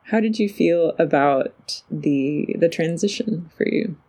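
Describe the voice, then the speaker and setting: A gravelly, husky-voiced interviewer with a mellow tone. They ask questions in a reflective, conversational way and share their own impressions first. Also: medium pitch, slow. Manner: reflective, offers own comments before asking.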